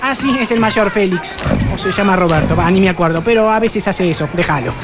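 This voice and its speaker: A widowed father of six in a comic radio play. His voice sits fairly high, with a resigned, drawling nonchalance. Music plays behind him. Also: brisk. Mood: breezy, careless. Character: laid-back widowed father of six, cheerfully negligent.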